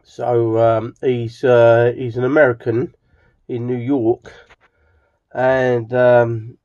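Slow, mellow middle-aged Englishman. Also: mid-range voice, flat delivery. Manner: halting, hesitant, with frequent throat clearing. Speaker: hobbyist video host. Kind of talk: casual rambling vlog narration. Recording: slightly dull home recording.

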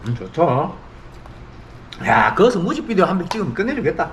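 A man's voice: sits high, very animated, fairly quick, a little hiss or hum. A middle-aged man from South Korea hosting a casual eating show, talking expressively as he savors his food, at times with his mouth full. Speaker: mukbang host.

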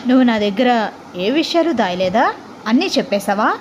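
Meet a sarcastic young man who needles his cousin in a dry, teasing way, as a woman storyteller puts him on. The voice sits a little high, and the take is slightly dull with faint hiss. It sounds like a homemade audio story. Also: lively intonation, fairly quick, natural voice. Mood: needling.

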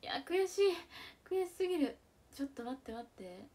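A young woman giving casual live-stream commentary on a baseball game. She reacts out loud with excitement and often drops into a whisper. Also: sits high, moderate pace.

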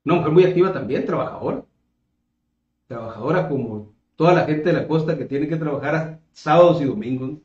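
A man's voice: a little high, brisk, darkish tone. A man in his fifties with a northern Mexican accent, answering interview questions conversationally, often hesitating and repeating words as he searches for the next. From Mexico, coast of Caborca in Sonora. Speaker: political candidate being interviewed. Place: small indoor room, seated at a table. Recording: roomy echo, slightly dull sound.

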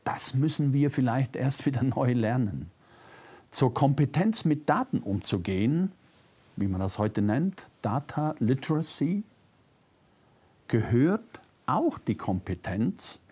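An older man with a faint Bavarian-Swabian German accent, reading a prepared lecture as a philosopher, measured and reflective, lifting his voice on key words. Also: medium pitch, sing-song, mellow, breathy edge. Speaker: philosopher giving a public lecture. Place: lecture room, seated at a desk. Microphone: lapel mic.

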